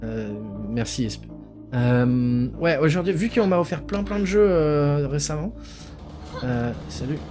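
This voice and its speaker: A man's voice: fairly high pitch, animated, a little slow, darkish tone. A man streaming a game live, chatting casually, reacting aloud and swearing freely as he plays. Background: game music.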